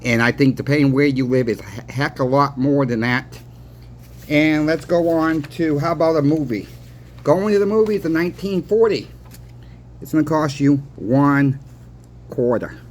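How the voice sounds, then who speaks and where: A man's voice: fairly high pitch, moderate pace, darkish tone. A man talking casually to viewers as a plainspoken explainer, repeating his points and posing rhetorical questions. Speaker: host of a coin and silver channel. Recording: clearly noisy background.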